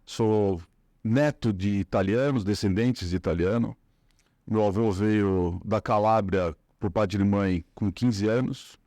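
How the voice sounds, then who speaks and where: A man's voice: fairly low pitch, slow pace, dark tone, no echo. A middle-aged man from São Paulo with a Paulistano accent, a guest in a casual interview, rambling through his family story with many fillers and restarts. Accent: Paulistano Brazilian Portuguese. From São Paulo, Brazil.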